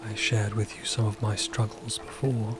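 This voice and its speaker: An actor voicing a detached, emotionless undead cosmic explorer in an audio drama, speaking formally and deadpan. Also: male voice, lowish voice, normal speed, music in the background, lightly acted. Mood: detached, flat. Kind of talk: dramatic audio fiction acting.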